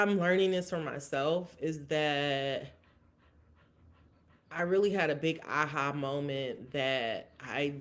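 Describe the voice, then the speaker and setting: A woman hosting a casual solo podcast recap, earnest and motivational, thinking aloud with many restarts. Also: sits low. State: briefly emotional. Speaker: podcast host.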